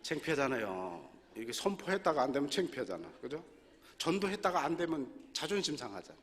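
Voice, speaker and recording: A man's voice: a little high, sing-song, fairly quick, fairly bright tone. A man in his sixties preaching a sermon in a church, telling stories animatedly with laughs and acted-out voices. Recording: long hall reverb.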